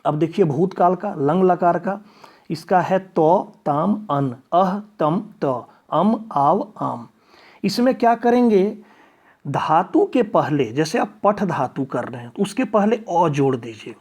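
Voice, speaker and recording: A man's voice: a little high, expressive, takes it slowly, darkish tone. A male teacher patiently explaining grammar step by step, reciting verb forms one after another. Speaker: Sanskrit teacher. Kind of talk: classroom grammar lesson.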